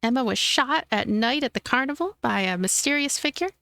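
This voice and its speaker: A woman's voice: sits high, lively intonation, a little fast, creaky, sharp tone, no room sound. A woman narrating a visual novel as a let's play host, reading the story expressively. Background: background music.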